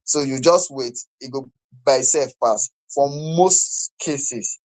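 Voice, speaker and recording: A man's voice: mid-range voice, slow, poor audio. A male doctor with a Nigerian accent gives health advice as a guest. He blends Nigerian Pidgin with English. His manner is instructive and conversational, with polite urging.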